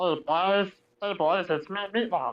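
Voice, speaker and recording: The voice is a put-on character voice at a middle pitch. It moves at a fairly slow pace. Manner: cartoonish, goofy.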